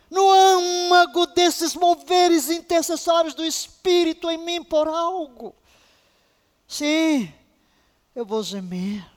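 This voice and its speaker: A woman Bible teacher giving a fervent, emotional lesson on intercession, now and then breaking into soft laughs. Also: high voice. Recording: long hall reverb.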